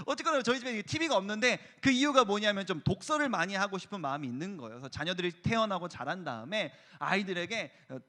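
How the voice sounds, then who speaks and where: A youth pastor in his thirties delivers a lively sermon to high schoolers, animatedly telling stories and acting out the characters' voices.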